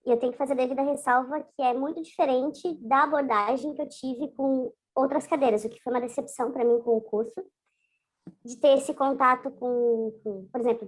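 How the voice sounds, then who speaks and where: Woman speaking through a voice changer. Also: a little high. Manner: conversational, hesitant, with frequent restarts and tag questions. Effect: voice changer disguising the voice. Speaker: interview guest. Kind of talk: casual recounting in a video interview.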